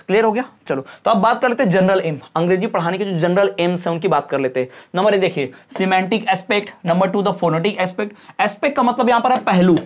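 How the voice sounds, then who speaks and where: A woman teacher giving an exam-prep lecture, repeating each point and checking in with rhetorical questions while mixing in read-out English terms. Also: medium pitch.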